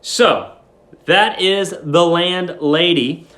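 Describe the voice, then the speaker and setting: A man's voice: high voice, very slow, sharp tone. A man speaking as a teacher, reading a story aloud and explaining it informally.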